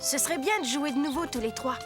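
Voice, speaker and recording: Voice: sits high, fast talker, music in the background, lightly acted. An actor voicing a friendly, encouraging older boy, a playmate in a preschool cartoon. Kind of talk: French-dubbed preschool cartoon acting.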